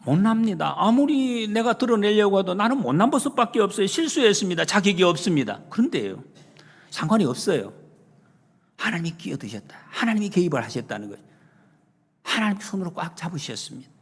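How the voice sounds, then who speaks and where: A male pastor delivers a Sunday sermon in a church sanctuary. His voice sits a little high and swings widely as he builds to emphatic calls. A husky edge colors his voice, and long reverb from the hall trails his words. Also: brisk. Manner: animated preaching, rising to emphatic calls; retells scenes with acted quotes.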